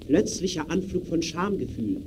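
An actor playing an impersonal official who declaims a case file in clipped phrases, in 1920s radio play style. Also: male voice, fairly high pitch, animated, moderate pace, lightly acted. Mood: clinical, insistent. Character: clinical male official reading out a case file. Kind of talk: 1920s German radio play, staccato report. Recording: noisy early radio recording.

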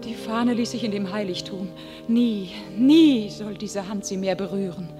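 An actress playing a tormented, homesick young shepherdess turned warrior, declaiming solemnly and fervently in a classical radio play. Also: female voice, mid-range voice, measured pace, natural voice. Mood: anguished, haunted. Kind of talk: classical German stage verse radio acting. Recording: radio play with loud music behind.

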